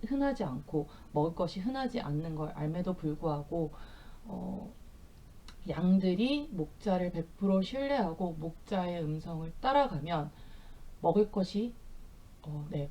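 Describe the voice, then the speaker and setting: A middle-aged woman teaching Bible verses in English with explanations, speaking gently with soft fillers and reading verses slowly for repetition. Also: fairly low pitch. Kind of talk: bilingual scripture lesson with slow repetition drills.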